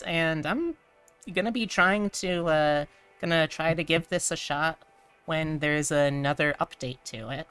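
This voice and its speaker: A woman's voice: sits low, fairly bright tone. A woman hosting a casual live stream, chatting and thinking aloud in a rambling way. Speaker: streamer host.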